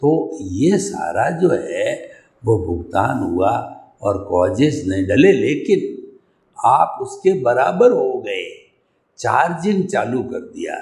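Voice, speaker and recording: Man, spiritual teacher; slow, gravelly, lively pitch; lecture in an echoey room. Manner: slow, deliberate explaining with English words mixed in.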